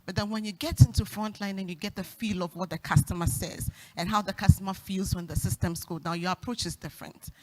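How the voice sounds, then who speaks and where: A woman's voice: mid-range voice, fairly even intonation, brisk, hardly any pauses, rough recording. A woman on a forum panel, a telecom executive recounting her career in a conversational, reflective way with easy laughs. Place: forum stage.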